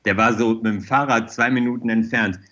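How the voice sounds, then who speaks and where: A man's voice: fairly low pitch, steady tone, a little fast, fairly bright tone. Effusive middle-aged man, slightly muffled. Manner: enthusiastic, rambling, effusive. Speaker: interview guest, fashion designer. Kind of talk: casual podcast chat, personal anecdotes.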